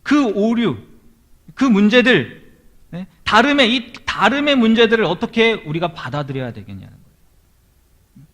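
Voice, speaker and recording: A man's voice: sits high, very animated, a little slow, long pauses, fairly bright tone. A male pastor preaching to a young adult congregation in church, and he often puts questions to his listeners. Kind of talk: sermon. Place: church hall.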